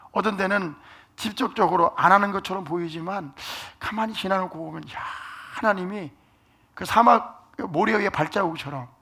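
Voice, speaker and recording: Middle-aged male pastor, sermon delivery: husky, gravelly, bright tone, trades call-and-response with the pews. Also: on the high side. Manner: asks the congregation questions, calls for amens; drops to near-whispers for emphasis.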